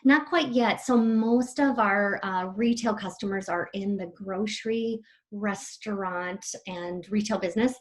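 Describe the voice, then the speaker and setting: A woman's voice: mid-range voice, a little slow. A woman business executive answering interview questions over a remote call from home, friendly and upbeat with some fillers.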